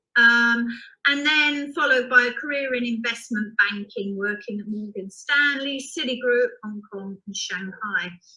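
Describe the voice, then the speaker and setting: Bright and sharp in tone, a woman with a British accent speaks at a high pitch. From UK. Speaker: professor. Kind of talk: recorded video introduction.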